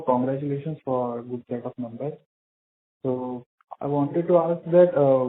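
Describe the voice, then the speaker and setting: A man speaks over a thin, tinny phone line, his tone staying fairly flat as he asks an investor's questions. He is polite and a little hesitant, often pausing on "uh". His pitch sits in a middling range for a man. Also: a little hiss or hum. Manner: polite, hesitant, many "uh" fillers. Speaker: individual investor caller. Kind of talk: asking questions on an earnings call.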